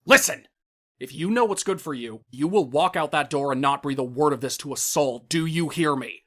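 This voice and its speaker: A man's voice: fairly high pitch, normal speed, pushed and bright. A man playing a cruel, theatrical crime boss in an audio drama, mock-courteous and condescending with menacing outbursts. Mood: threatening, angry.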